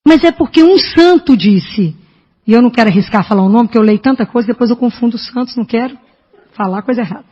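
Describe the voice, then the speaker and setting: A woman's voice: on the high side, expressive, quick pace. Brazilian woman preaching in an echoing hall. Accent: Brazilian Portuguese. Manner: emphatic, asks the audience rhetorical questions. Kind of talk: preaching testimony talk. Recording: dull lo-fi recording with long hall reverb.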